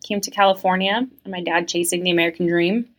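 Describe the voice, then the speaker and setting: A woman's voice: lowish voice, fairly even intonation, quick pace. A young woman from France who grew up in the United States, answering interview questions in a chatty, reflective way with many fillers.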